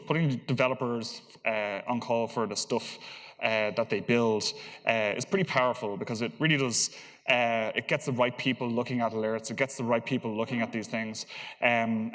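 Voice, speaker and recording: A man's voice: mid-range voice, a bit bright. Male conference speaker, informal and hesitant in delivery, recorded with noticeable hall reverberation. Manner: hesitant, halting delivery with repeated words. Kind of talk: informal technical conference presentation. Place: large conference hall, on stage.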